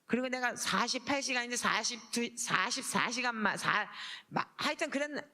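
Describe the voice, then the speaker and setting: A woman's voice: a little high, moderate pace, pushed and bright. A middle-aged woman pastor giving an emotional sermon testimony in a blunt, earthy, colloquial way.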